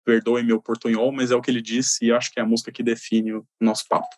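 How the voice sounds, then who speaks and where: A man's voice: medium pitch, flat delivery, fast talker, a little mellow, no room sound. A man, an expert guest on a podcast, speaking enthusiastically and with jokes and many fillers. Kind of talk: casual interview chat.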